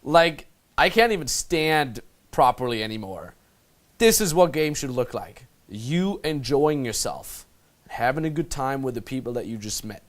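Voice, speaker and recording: A man's voice: mid-range voice, lively intonation, measured pace. A young Austrian man with an Austrian accent, a dating coach talking brashly and profanely while breaking down his street conversations, laughing often.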